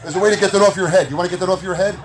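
A man's voice: high-pitched, fairly even intonation, racing, crowd noise. A man working as a stage hypnotist at a live comedy show, playfully teasing volunteers and repeating his words, recorded in a party tent. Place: inside a party tent, outdoors event. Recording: noisy party tent on camera microphone.

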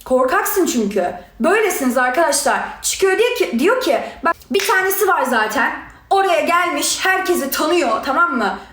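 Heated young woman ranting, high voice. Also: big pitch swings, moderate pace, a bit bright. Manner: heated, sarcastic, scolding, addresses viewers directly. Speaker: reality show contestant answering critics. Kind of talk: angry livestream rant. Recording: echoey room sound.

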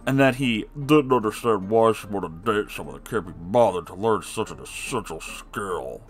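A man reading an online story aloud, adding sarcastic asides to the listener in a lively voice that swings between loud and quiet. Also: on the low side, normal speed, soft background music. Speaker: story reader.

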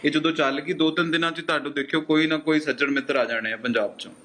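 A man's voice: fairly high pitch, fairly even intonation, quick pace, pushed and bright. A man reporting on the spot from a flooded village, consoling the people he interviews in short, broken phrases. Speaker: news reporter.

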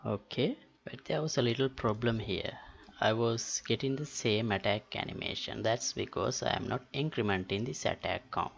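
A man giving an unscripted software tutorial, halting as he thinks aloud. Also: mid-range voice, creaky, lo-fi sound. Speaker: tutorial host.

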